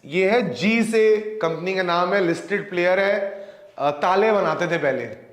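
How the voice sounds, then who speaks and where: A man's voice: high voice, a little slow, echoey room, loud music behind the voice. A man in his thirties, a real estate agent with an Indian accent, giving a casual, jokey sales talk that mixes Hindi and English.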